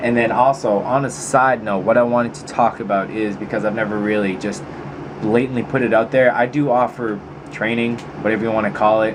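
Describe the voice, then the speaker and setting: A quiet man at a medium pitch, fairly quick pace and fairly even intonation, amid noticeable background noise. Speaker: fitness vlogger. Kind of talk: casual vlog monologue. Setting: his bedroom.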